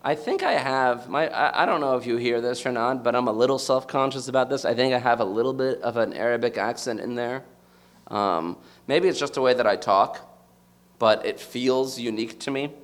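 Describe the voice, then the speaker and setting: A man's voice: medium pitch, moderate pace. Reflective American man addressing an audience. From United States. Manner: reflective, searching for words. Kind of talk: personal reflective talk. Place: in front of a live audience.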